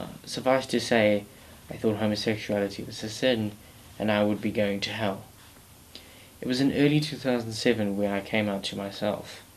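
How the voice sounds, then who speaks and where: Soft-spoken and fairly low-pitched, a man talks at a moderate pace with fairly even intonation. He leaves long, frequent pauses. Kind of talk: personal story to camera.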